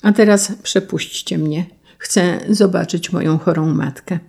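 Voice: medium pitch, fairly even intonation, a little slow, vocal fry, a little mellow, breathy edge. A reader voicing a proud young count who gives up his name and estate, dignified and firm in an audiobook reading.

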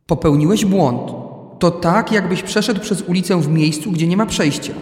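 A man voicing a patient father who calmly lectures his sons about following rules in an audiobook. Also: sits high, normal speed, reverberant, big-room sound, close to an everyday voice. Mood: instructive. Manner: calm, instructive, mildly scolding. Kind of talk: audiobook character reading.

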